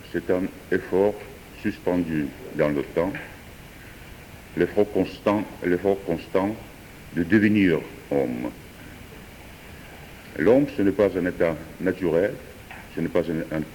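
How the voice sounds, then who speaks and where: A man, a French speaker, improvising a philosophical talk with hesitant pauses and fillers. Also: low-pitched, darkish tone, a little hiss or hum. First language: Georgian. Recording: distant voice in a reverberant hall.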